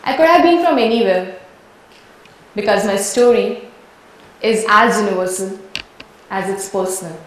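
A young woman from India performing a dramatic spoken-word monologue in measured, rhythmic phrases at a stand mic on a stage. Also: mid-range voice. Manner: measured, rhythmic recitation with swelling lists. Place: large wooden-walled hall. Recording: roomy hall.

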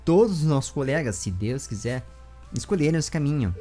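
Young man, Brazilian accent, interview host, lively swooping intonation, rambling, close desk mic, faint music. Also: medium pitch, brisk. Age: 20s. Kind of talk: casual conversational interview. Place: small room with bookshelves at home. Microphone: large desk microphone with foam windscreen, close.

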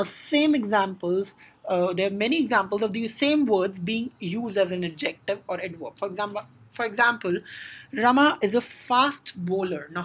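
A woman's voice: medium pitch, a bit bright, slightly rough. A woman with an Indian English accent teaching a grammar lesson, explaining step by step with frequent "now" and "so".

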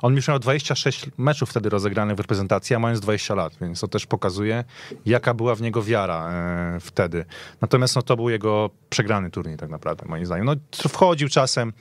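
A man's voice: lowish voice, brisk, no room sound. A man discussing football as a pundit on a radio podcast, in a conversational way. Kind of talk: animated sports podcast discussion. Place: radio studio.

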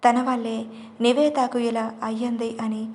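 Narrator for audio drama: woman, steady scripted reading, a little high, little pitch movement. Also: normal speed. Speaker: storyteller.

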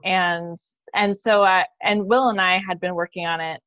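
A young woman with a somewhat low voice explains things casually and candidly. The sound is dry and a little lo-fi, as picked up by a computer on a video call. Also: fairly even intonation, normal speed, no echo. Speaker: playwright, guest. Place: living room at home. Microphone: computer mic on a video call.

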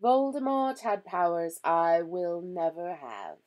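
A woman voicing a gentle, courtly old male wizard in a storybook, speaking in a genial, measured way. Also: fairly low pitch, very animated, pitched above the performer's own voice. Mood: calm, modest. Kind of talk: storybook character reading.

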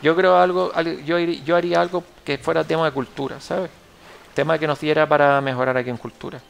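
A man's voice: on the high side, steady tone, fairly quick, vocal fry, a little hiss or hum. A young man with a Canarian Spanish accent, giving casual gameplay commentary as he plays, rambling and correcting himself as he thinks aloud. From Canary Islands, Spain. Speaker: gameplay tutorial host.

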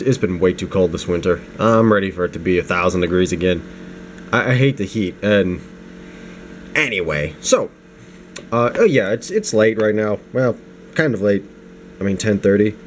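A young man getting over the flu, rambling casually through an unscripted knife review at his home desk, with restarts and self-deprecating asides. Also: lowish voice. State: low energy, getting over the flu, sniffly. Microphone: camera mic, hands-only framing. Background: space heater hum.

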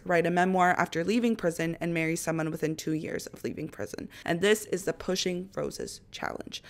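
A young woman with a raspy voice, still recovering from a cough, chatting through a mobile game walkthrough as a gaming channel host. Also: fairly low pitch, a bit bright. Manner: chatty, upbeat, narrates each step. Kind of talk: casual game walkthrough commentary.

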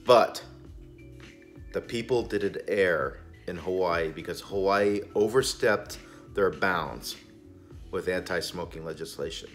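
A man's voice: sits low, slow pace, soft background music. A man in his forties hosting a cigar video channel, talking in an emphatic, indignant casual rant from a small room full of boxes. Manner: emphatic, indignant, gestures broadly with hands. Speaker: cigar review channel host. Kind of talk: opinionated casual vlog rant. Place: small storage room stacked with boxes, indoors.

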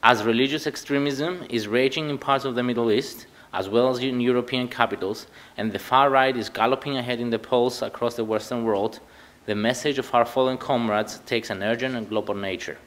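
A man's voice: mid-range voice, steady tone, a little fast, a bit bright. Earnest Cypriot man giving a speech. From Cyprus. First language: Greek. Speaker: party speaker. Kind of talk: prepared political speech. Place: commemoration event.

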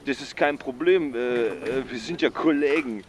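A man's voice: mid-range voice, moderate pace, slight background noise, natural voice. An actor playing a bumbling male secret agent who calls the police, stammering with constant filler sounds. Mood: flustered. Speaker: caller. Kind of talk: radio play acting.

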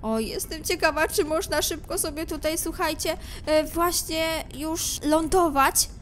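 A woman commenting on a game she is playing. She speaks to her viewers, moving from hushed suspense to loud panicked shouting. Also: high-pitched, measured pace, a little hiss or hum. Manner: talks straight to viewers, swings from hushed suspense to screaming panic. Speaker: gameplay commentator.

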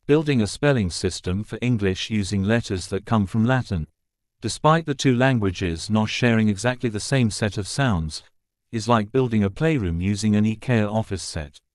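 A man reads a short prepared passage as a model answer. His voice sits a little low. The recording is close and free of room sound. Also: normal speed, no room sound. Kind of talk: scripted read-aloud exam passage.

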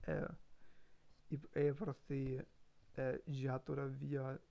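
A man practicing a language he is learning, talking haltingly with many restarts and self-corrections during a live-streamed lesson. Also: medium pitch, flat delivery, creaky, warm tone, muffled recording.

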